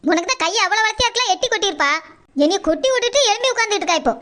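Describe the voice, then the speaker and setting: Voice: extremely high pitch, lively intonation, racing, sharp tone, full character voice. A performer voicing a grumbling, suspicious village woman in a cartoon, complaining and accusing in a southern Tamil Nadu accent. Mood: suspicious, annoyed. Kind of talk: Tamil cartoon character dialogue.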